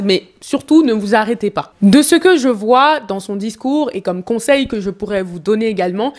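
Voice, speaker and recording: A woman public speaking coach commenting on a televised interview, giving advice straight to the viewer. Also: on the high side. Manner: advising, direct to viewer. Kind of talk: speech analysis commentary.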